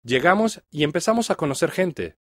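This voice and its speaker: A middle-aged man from Mexico with a Mexican Spanish accent, reading a first-person text aloud for language learners in a clear, even delivery. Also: fairly high pitch, fairly quick, no room sound, studio quality. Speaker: reader of a listening text.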